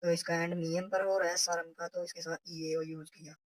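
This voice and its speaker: Woman teacher, kinda low flat voice, goes through the book step by step, repeats the examples. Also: dry recording, low-quality recording. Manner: slow, step-by-step explanation, repeats example phrases. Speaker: Korean language teacher. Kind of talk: recorded lesson explaining a textbook.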